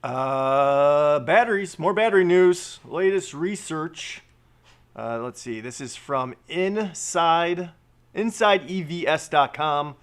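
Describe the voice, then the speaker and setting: A man's voice: fairly high pitch, slow, clean tone. A man hosting a live stream, reading out and discussing news articles with many fillers and restarts.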